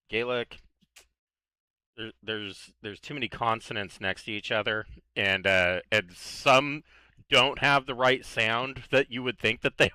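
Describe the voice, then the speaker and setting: A man's voice: medium pitch, pushed and bright, smooth, no echo, rough recording. A man telling rambling stories in a casual chat with friends, laughing often.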